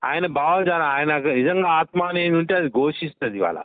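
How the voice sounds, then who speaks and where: A man's voice: fairly high pitch, lively intonation, normal speed, no room sound. A man arguing his point firmly over a leaked phone call, with many hesitations. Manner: emphatic, argumentative, frequent hesitations. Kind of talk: phone conversation, opinionated.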